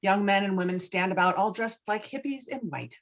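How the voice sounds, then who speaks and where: A woman's voice: medium pitch, fairly quick. A woman narrating stage directions from a film script at a virtual table read. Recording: dull, lo-fi video-call audio.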